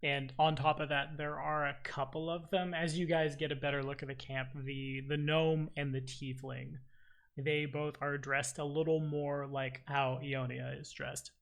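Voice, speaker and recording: A man's voice: on the high side, little pitch movement, a little slow, creaky, fairly bright tone. A man speaking as game master, casually narrating and refereeing a tabletop game.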